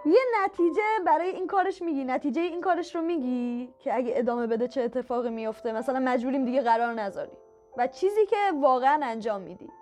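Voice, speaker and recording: Female instructor, high register, patient step-by-step explainer, faint music bed. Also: dark tone. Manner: patient, repeats each step with examples. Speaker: communication skills teacher. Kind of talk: instructional talk to camera.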